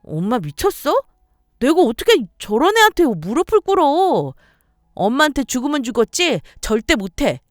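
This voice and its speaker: A woman voicing a spiteful, entitled sister-in-law in a story radio drama, loud and insulting. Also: a little high, sing-song, moderate pace, no room sound, studio quality, soft background music, pitched above the performer's own voice. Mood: whiny. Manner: shouting insults, loud and belligerent.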